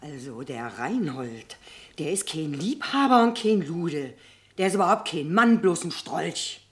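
Mocking radio-play street gossip; animated intonation, colloquial scorn. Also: medium pitch, unhurried. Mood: scornful.

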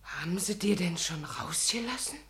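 An actress playing a frightened, indignant working-class wife with a Berlin accent in a radio play. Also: female voice, lowish voice, lively intonation, moderate pace, fairly bright tone. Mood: wary, alarmed. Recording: roomy echo with background noise.

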